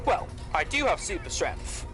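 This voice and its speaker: A man's voice: sits high, big pitch swings, moderate pace, fairly bright tone, soft background music. An actor playing a polite, loyal clockwork man who explains things formally in an audio drama. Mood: bold, obliging. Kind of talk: scripted audio drama acting.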